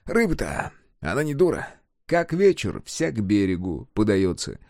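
A man's voice: fairly low pitch, sing-song, moderate pace, darkish tone, no room sound, studio quality. A man voicing a sly, grinning working man who jokes and explains things in a knowing, teasing way, in an audiobook. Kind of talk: audiobook character voice.

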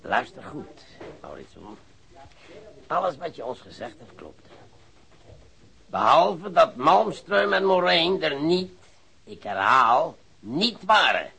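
Wheedling police investigator, forceful, hugely varied pitch, rough throat, mock-polite, theatrical, radio play. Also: male voice, big pitch swings, takes it slowly, pauses often, exaggerated voice, poor audio. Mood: emphatic, stern. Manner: theatrical, oily politeness with sudden outbursts. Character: wheedling, volatile male police investigator pressing an informant. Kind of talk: radio drama acting.

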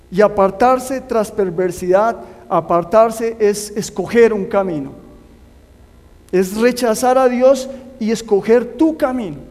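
A man's voice: high-pitched, darkish tone. A man preaching a sermon, earnestly urging his listeners to put their trust in God. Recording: long hall reverb.

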